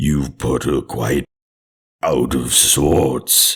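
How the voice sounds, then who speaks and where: A man mumbling, whispering and growling in a put-on character voice at a very slow pace. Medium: read story. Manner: mumbling, mournful.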